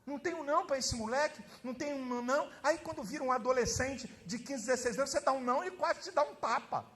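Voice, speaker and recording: A man preaching a sermon as pastor, fiery and emphatic, often shouting. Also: very high-pitched, quick pace.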